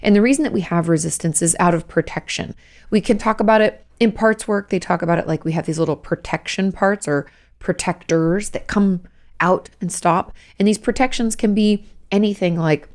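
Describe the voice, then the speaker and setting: Hoarse, gravelly-voiced woman host. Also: on the low side, moderate pace. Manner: warm explanatory, reassuring check-ins. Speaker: host, licensed therapist. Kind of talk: casual podcast advice talk.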